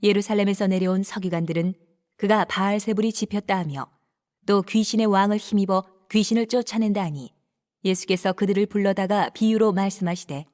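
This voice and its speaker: A woman narrating scripture in a steady, even scripted reading. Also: medium pitch, fairly quick.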